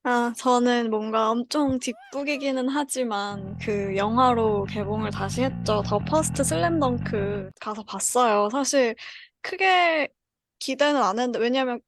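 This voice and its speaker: A woman's voice: fairly high pitch, measured pace, noisy background. A woman in her thirties hosting a casual group chat. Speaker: podcast host. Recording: music playing behind the talk. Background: background music.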